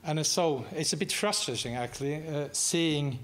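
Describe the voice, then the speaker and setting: A man's voice: a little high, normal speed, a bit bright. Norwegian man giving a hesitant guest lecture. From Norway. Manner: hesitant, many fillers and restarts, joking with the audience. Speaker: guest speaker. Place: lecture hall.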